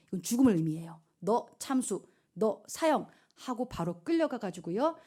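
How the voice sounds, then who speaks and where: A woman pastor preaching to a youth group, retelling a Bible story with lively storytelling. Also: medium pitch. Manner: animated storytelling, acts out characters.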